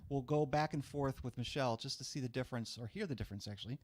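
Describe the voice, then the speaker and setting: A middle-aged man with a low, rough voice, hosting a casual live-stream chat in a small studio on a boom-arm mic. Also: darkish tone. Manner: brisk, chatty, talks with his hands. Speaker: host. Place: small studio room full of gear. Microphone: studio mic on boom arm, headphones on.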